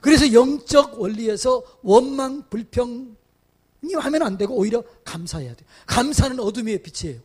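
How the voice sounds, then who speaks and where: A male pastor preaching at a revival meeting. He questions the congregation and builds to loud exhortations. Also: extremely high pitch, animated, moderate pace, husky. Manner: acts out quoted voices in dramatic asides. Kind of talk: revival sermon.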